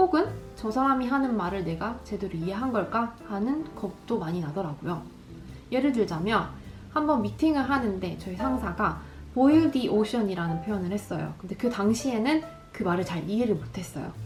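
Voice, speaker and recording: In a room with audible echo and music in the background, a woman at medium pitch speaks at a moderate pace with very wide pitch swings. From South Korea. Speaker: vlogger, digital marketer. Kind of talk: casual vlog talk.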